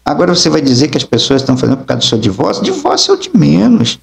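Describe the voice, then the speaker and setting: A man's voice: fairly high pitch, huge pitch swings, rapid-fire, creaky. A middle-aged man, an apostle and preacher, telling his testimony emphatically in an interview and acting out the dialogue. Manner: emphatic storytelling, acts out dialogue.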